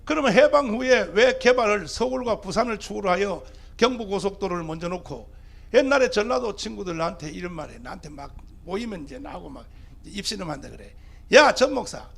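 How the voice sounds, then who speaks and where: A man's voice: sits high, lively intonation, fast, creaky. A male pastor, giving an emphatic political rally speech full of rhetorical questions to the crowd. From Gyeongsang (TK) region of South Korea.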